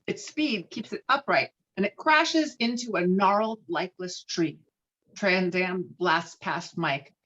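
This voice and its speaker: A woman's voice: lowish voice, sharp tone, dull audio. A woman reading stage directions as narrator in a script table read.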